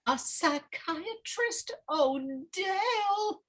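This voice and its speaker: A woman's voice: very high-pitched, expressive, drawn-out words, a bit bright, full character voice. A woman playing an anxious, pleading small-town mother in a dramatic table read. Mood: uneasy, hushed. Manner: pleading, worried.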